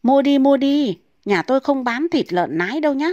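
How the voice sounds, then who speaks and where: A woman's voice: high-pitched, lively intonation, normal speed, mellow, no echo, dull audio, pitched above the performer's own voice. A woman voicing a cheeky young boy at a market stall who blurts and argues innocently. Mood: blurting, cheeky.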